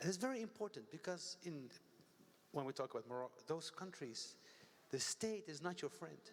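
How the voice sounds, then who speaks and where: This man talks at a moderate pace with a high pitch. His pitch swings very widely. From Netherlands. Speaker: panel speaker. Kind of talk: panel discussion. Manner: halting, many repetitions.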